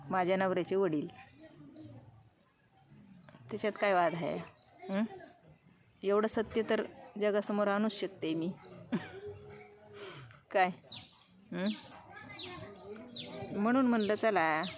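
A woman's voice: medium pitch, takes it slowly, long pauses, slight background noise. A middle-aged woman chatting casually to her viewers in a village vlog, checking in with "hm?" and "haan?" as she talks. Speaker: village vlogger. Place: outdoors in a village.

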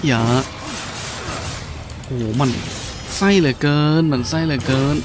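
With a mid-range voice and fairly even intonation, a male streamer talks through his gameplay a little slowly, peppering it with exclamations and interjections. Video game music and effects sit under his voice.

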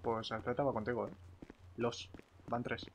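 A man with a medium-pitched voice talks casually during an online roleplay game. His delivery is conversational and informal, and there is noticeable game noise behind him. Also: little pitch movement, unhurried. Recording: clear background noise, game ambience.

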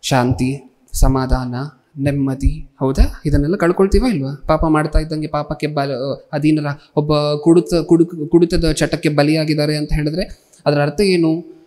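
Higher-voiced man preaching a sermon. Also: fairly even intonation, a little mellow. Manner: rhetorical, questioning the listeners; reads scripture slowly. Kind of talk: sermon with questions to the congregation.

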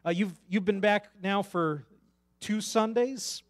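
A man's voice: high-pitched, slow. A man in his thirties, a pastor, preaching in an earnest, conversational way on a church stage into a handheld mic. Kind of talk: sermon.

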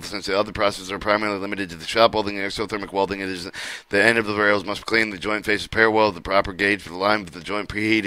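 Man reading a technical text aloud, stumbling often; low, bright tone, dry close sound. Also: dry recording, low-quality recording. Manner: halting, frequent stumbles and restarts over words. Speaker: reader of a technical manual. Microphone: screen recording with voice-over.

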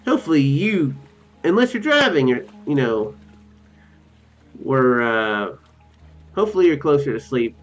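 A man's voice: mid-range voice, big pitch swings, a little slow, long pauses. A drowsy young adult man giving casual game commentary as a video host, musing in a hesitant, rambling way. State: tired, drowsy. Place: small room at home. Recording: dull lo-fi mic with music. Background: game music.

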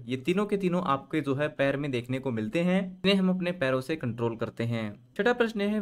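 A man hosting a screen-share lesson, reading each multiple-choice question aloud and then explaining the answer step by step. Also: on the high side. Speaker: channel host and tutor. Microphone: voice-over on screen recording.

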